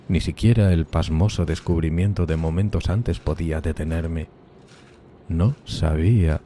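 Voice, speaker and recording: A man's voice: rumbling low, dark tone, a little hiss or hum. A man playing a solitary, tormented outcast, narrating a gothic horror audio drama in a solemn, theatrical, literary manner.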